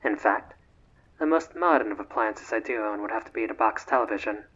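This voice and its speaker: A man voicing a bored, courteous immortal vampire in a roleplay audio, with formal, measured, slightly haughty old-fashioned diction and a husky voice. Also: fairly low pitch, fairly bright tone, lo-fi sound. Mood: dry, world-weary. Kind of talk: scripted roleplay audio drama, one side of a phone call.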